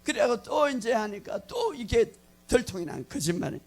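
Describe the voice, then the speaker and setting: A male pastor preaching a sermon, telling a story with lively acted-out lines and frequent laughter. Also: very high-pitched, normal speed. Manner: animated storytelling, acting out lines, laughing often.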